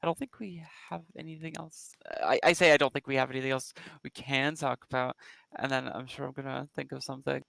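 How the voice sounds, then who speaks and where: A man's voice: mid-range voice, flat delivery, brisk, gravelly, fairly bright tone, no room sound. A young man hosting a casual livestream chat through a headset, easygoing and joking.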